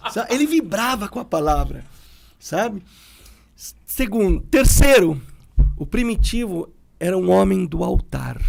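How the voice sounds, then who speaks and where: A middle-aged man, a priest, talking in a relaxed way and telling stories, acting out the people he quotes. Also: very high voice, vocal fry. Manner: animated, acts out quoted people. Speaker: priest guest. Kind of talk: conversational storytelling.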